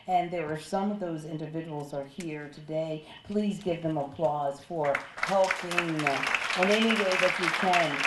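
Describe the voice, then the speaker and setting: A woman hosting an awards ceremony, giving emphatic, drawn-out praise with repeated words. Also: fairly low pitch, heavy background noise. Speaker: ceremony host. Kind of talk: emcee remarks at an awards ceremony. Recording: echoey hall with faint crowd.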